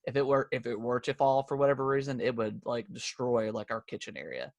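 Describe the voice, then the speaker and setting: A man's voice: mid-range voice, a little fast, dry recording. A young man co-hosting a podcast from his home office, stuffy from allergies and rambling through casual chat with lots of fillers and restarts. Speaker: podcast co-host. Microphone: desk setup with camera.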